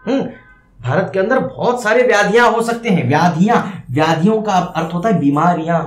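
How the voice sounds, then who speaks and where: A high-pitched man teaches a poem as a Hindi lesson. He goes line by line, repeating words and glossing each one in plain terms. The recording has a clear room echo. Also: animated, brisk.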